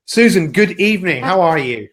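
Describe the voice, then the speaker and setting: Upbeat male coach host with a fairly high voice, chatty, motivational, live-stream feel. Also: lively intonation, normal speed, a bit bright. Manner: upbeat, chatty, with frequent ums and uhs. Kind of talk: live online broadcast, motivational talk.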